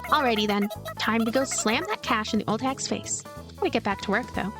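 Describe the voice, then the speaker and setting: A woman's voice: a little high, a little fast, music in the background, close to an everyday voice. Woman as an aloof, sarcastic young ninja girl. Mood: cocky.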